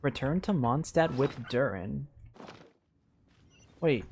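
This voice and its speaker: A woman's voice: extremely low pitch, animated, takes it slowly, darkish tone, a little hiss or hum. A woman giving casual live gameplay commentary as a streamer, exclaiming and swearing freely. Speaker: game streamer. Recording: faint game music behind.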